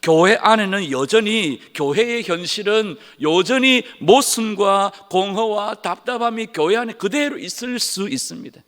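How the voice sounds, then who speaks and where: A male pastor preaches and tells a story earnestly, turning often to speak straight to his congregation. His voice is high and rises and falls in wide, animated swings. Long church-hall reverb follows each sentence. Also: moderate pace, few pauses. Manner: earnest, addresses the congregation directly. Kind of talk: sermon with storytelling.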